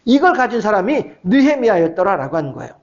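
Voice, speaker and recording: A middle-aged man with an unusually high voice is preaching a weeknight sermon to his congregation. He talks in a relaxed, chatty way and keeps asking the listeners questions. The recording sounds dull and muffled. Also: fast talker. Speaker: pastor.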